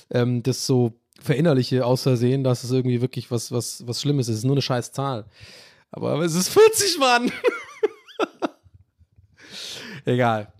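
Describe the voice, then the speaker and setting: A man's voice: medium pitch, a little mellow, no room sound, studio quality. A podcast host in his late thirties, talking casually to his listeners in a rambling, self-reflective way and dropping in English phrases. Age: 30s. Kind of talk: casual chat monologue.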